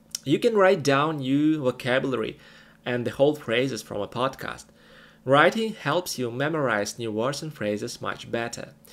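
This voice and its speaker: Lively intonation runs through this man's speech. His pitch is fairly high. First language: not English. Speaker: language learning youtuber. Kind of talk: tutorial.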